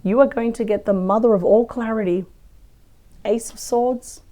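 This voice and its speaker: A woman with a weak, croaky voice from a cold, chatting through a weekly tarot reading. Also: on the high side, steady tone, moderate pace, mellow. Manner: chatty, thinks aloud over the cards. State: hoarse from a cold. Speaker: tarot reader. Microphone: close microphone.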